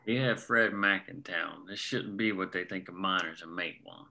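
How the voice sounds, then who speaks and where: A man's voice: sits low, moderate pace, creaky, sharp tone, heavily acted. A man reading the part of a blunt, stern man with a dry delivery during a screenplay table read.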